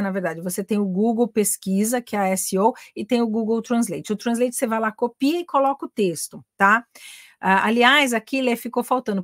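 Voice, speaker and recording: A woman's voice: mid-range voice, no echo, clean studio sound. A Brazilian woman teaching English online. She talks in a chatty way, explains things step by step and keeps checking in with her viewers.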